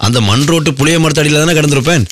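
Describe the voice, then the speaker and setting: An actor playing a curious young man back from abroad who asks questions in a lively way, in a radio drama. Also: fairly high pitch, slight background noise, close to an everyday voice. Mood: inquisitive. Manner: quick, inquisitive, lively.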